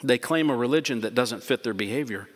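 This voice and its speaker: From the pulpit, a middle-aged male pastor speaks at medium pitch and a little fast, driving home his points with repeated phrases. The earnest, emphatic sermon closes in prayer, carried by the long reverb of a church hall.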